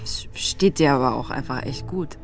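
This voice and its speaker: A woman's voice: extremely low pitch, moderate pace, whispered. An actress playing a weary, sardonic woman in her thirties in a radio play, laconic and understated. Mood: wry, fond. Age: 30s. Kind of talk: intimate radio play acting. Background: music.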